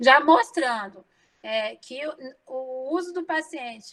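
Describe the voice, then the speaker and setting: A woman speaks in a high, raised, projected voice. Her tone is bright and sharp. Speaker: doctor giving a lecture. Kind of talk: lecture. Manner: halting, many fillers.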